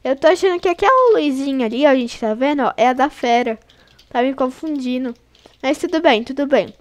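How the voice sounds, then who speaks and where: A woman narrates her gameplay in a casual, chatty stream of commentary, always addressing her viewers. Her voice sits high, and keyboard typing is faintly audible behind her. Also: expressive, brisk, darkish tone. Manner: chatty, talks to viewers constantly, diminutives. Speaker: gaming channel host.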